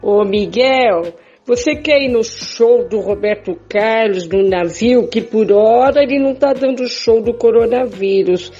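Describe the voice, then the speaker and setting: Woman playing husky, mellow older Brazilian sweetheart. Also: a little high, unhurried, dull audio, faint music behind. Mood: coaxing. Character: coaxing woman sweet on a man. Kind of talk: amateur improvised radio soap acting.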